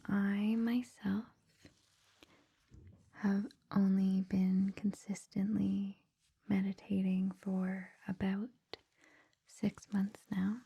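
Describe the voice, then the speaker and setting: A woman speaks in a soft, extremely breathy ASMR whisper. Her delivery is slow and even, with little rise or fall. The tone is mellow, gentle and informal, reassuring the listener as a host would. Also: medium pitch, dull audio. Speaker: ASMR host introducing a meditation series.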